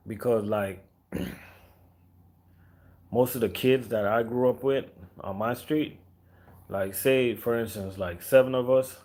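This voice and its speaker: A man's voice: medium pitch, darkish tone. A laid-back man from Jamaica, chatting casually and rambling to viewers on a live stream, full of fillers and repeated questions to his audience. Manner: laid-back, rambling, many fillers and "you know what I mean".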